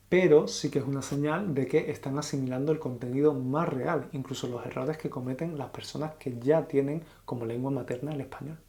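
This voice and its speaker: A man's voice: mid-range voice, mellow. A man with an Andalusian Spanish accent, teaching a video lesson and rephrasing his points for learners. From Spain. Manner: encouraging, reformulates points for learners.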